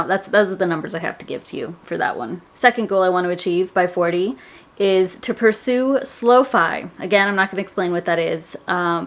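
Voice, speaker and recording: Chatty woman in her thirties, lowish voice. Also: a bit bright. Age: 30s. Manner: chatty, rambling with many "like"s. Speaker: personal finance YouTuber. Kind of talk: casual chat to camera.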